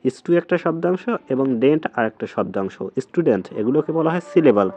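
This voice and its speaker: A man with a Bangladeshi accent, teaching a textbook lesson slowly and patiently, repeating words and splitting them into syllables. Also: medium pitch, no room sound, lo-fi sound.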